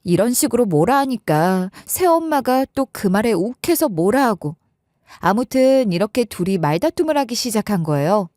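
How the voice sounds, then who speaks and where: A woman's voice: medium pitch, very animated, moderate pace, dark tone, no room sound, studio quality. A young woman telling a first-person story in a chatty, conversational way.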